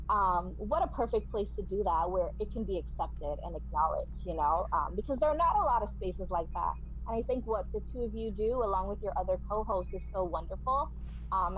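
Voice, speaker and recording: A woman from New York City speaks as a podcast guest, earnest and full of conviction, stumbling and restarting as she goes. Her pitch sits mid-range. A faint hiss hangs under her voice. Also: low-quality recording. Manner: earnest and passionate, with many restarts. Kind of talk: heartfelt interview talk.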